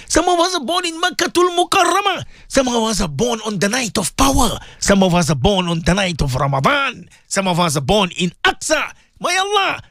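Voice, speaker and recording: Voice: high-pitched, fairly bright tone, no echo, clean studio sound. A person leading an impassioned live Muslim supplication, pleading tearfully with God in repeated, emotional invocations. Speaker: Muslim prayer leader giving a supplication. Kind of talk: impassioned live broadcast prayer.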